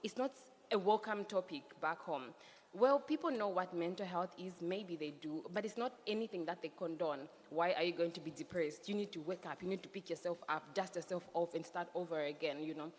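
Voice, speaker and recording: A young woman from Zambia leads a panel talk in a lowish, earnest voice, driving her points home by repeating them. Her voice carries a long hall reverb with faint noise underneath. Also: brisk. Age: young adult. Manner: earnest, emphatic and repetitive. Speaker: panel moderator. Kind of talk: youth panel discussion.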